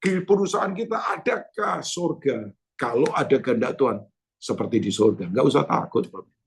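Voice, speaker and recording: A man pastor preaching a sermon, telling stories and addressing the congregation directly in an animated way. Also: mid-range voice, moderate pace, husky. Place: church.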